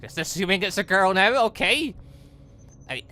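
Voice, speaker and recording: Lively, bright-voiced man reading a game aloud. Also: high voice, normal speed. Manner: stumbles over lines, self-correcting, exclaiming. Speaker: gaming channel host. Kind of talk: live read-through of a visual novel with commentary.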